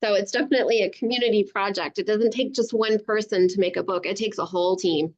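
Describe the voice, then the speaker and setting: A woman speaks as a children's author to a young audience on a live online event. Her voice sits at a medium pitch and her manner is encouraging, with simple wording. The sound is a little muffled, as on a video call. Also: steady tone, fast, a little mellow. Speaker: children's book author, guest.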